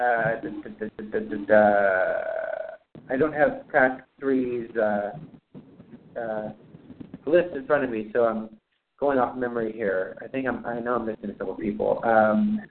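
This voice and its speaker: A man leading a spiritual class on a conference call, calling the roll and guiding a prayer in an unhurried, plain-spoken way. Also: mid-range voice, a little hiss or hum. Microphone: phone call. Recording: tinny phone line.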